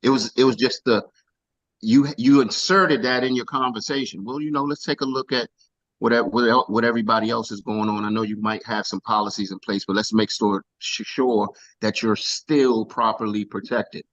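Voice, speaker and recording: A man coaching a team on a video call, energetic and casual, repeating himself for emphasis. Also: fairly low pitch, moderate pace, muffled recording.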